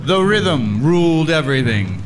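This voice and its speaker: An actor playing an embittered enslaved man, narrating his suffering in a solemn, deliberate first-person style with weighty pauses. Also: fairly high pitch, very animated, loud music behind the voice, low-quality recording. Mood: grim, vengeful.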